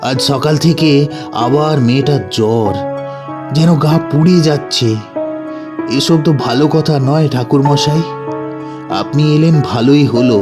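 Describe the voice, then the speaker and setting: A man's voice: mid-range voice, slow, pauses often, lightly acted. A man playing a humble, troubled village householder, speaking deferentially in a dramatised horror audio story. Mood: worried, distressed. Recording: music bed under the voice.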